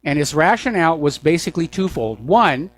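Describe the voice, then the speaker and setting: With a fairly high pitch and an animated manner, this older man from the United States hosts a political news talk show. He speaks in an opinionated monologue, choosing his words deliberately and pausing often.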